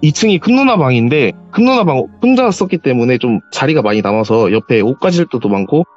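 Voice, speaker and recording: A man calling in to tell his own ghost story, lively and animated, jumping his voice up high whenever he acts out what someone said. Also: fairly quick, no echo, highs cut off, soft background music. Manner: animated, acts out quoted voices with sharp pitch jumps. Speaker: caller telling a personal story. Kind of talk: call-in horror storytelling. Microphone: voice call.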